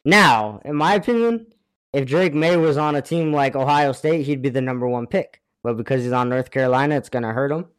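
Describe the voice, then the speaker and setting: Clear-voiced man with medium pitch. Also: brisk. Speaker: podcast co-host. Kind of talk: casual sports analysis. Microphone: remote connection.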